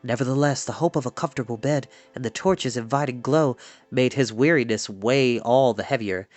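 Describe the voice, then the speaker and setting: A man reading a fantasy novel aloud in an expressive narrating style. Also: mid-range voice, normal speed. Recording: music behind the voice. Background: background music.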